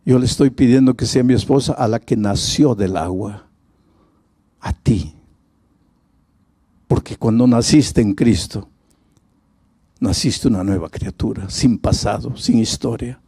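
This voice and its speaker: Warm-voiced male storytelling preacher. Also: measured pace, long pauses, breathy edge, dry recording, studio quality. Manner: storytelling preacher, dramatic, with shifts in pitch. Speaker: pastor. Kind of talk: sermon.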